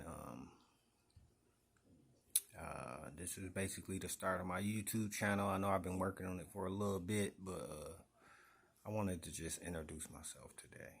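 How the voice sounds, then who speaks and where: A man's voice: low voice, husky. A man with a Detroit accent, talking casually to his viewers in a rambling vlog about himself, full of fillers and restarts. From Detroit, Michigan. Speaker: vlogger.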